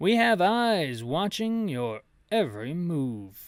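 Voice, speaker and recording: In a very clean recording with a silent background, a man puts on a character voice, high-pitched for a man, moving slowly with very wide pitch swings. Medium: solo performance. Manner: menacing, controlled.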